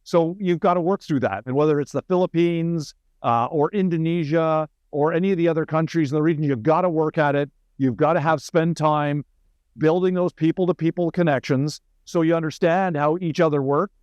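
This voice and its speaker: A middle-aged Canadian man with a fairly high voice speaks as a military guest in an interview. The sound is dry, with little room in it. He explains things conversationally and drops in wry asides. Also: fairly quick, darkish tone, clear, resonant tone, no echo, muffled recording.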